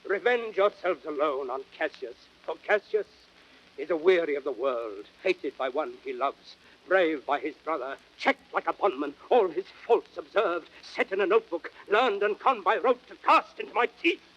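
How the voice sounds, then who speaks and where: A man's voice: on the high side, expressive, moderate pace. An actor playing a passionate, wounded, hot-tempered Roman nobleman, declaiming verse in a classical Shakespearean audio drama. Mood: anguished, defiant. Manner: impassioned, declamatory theatrical verse delivery. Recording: dull, noisy vintage drama record.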